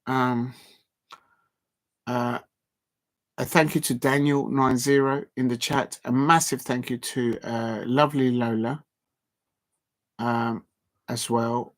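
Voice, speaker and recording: A man's voice: medium pitch, little pitch movement, slow, long pauses. A man, rambling through a late-night football watch-along, thanking his chat with lots of ums and restarts. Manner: rambling, filler-heavy, reading out chat shout-outs. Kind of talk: casual late-night live stream wrap-up. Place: at home at night with a TV on.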